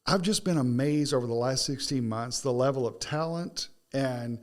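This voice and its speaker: Man, podcast host, casual interview, chatty, joking, mid-pitched voice. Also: moderate pace. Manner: chatty, joking, trails off and restarts.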